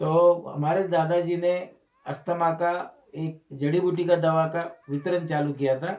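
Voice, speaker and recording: A man with a high pitch talks in fairly even intonation. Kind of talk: interview answer.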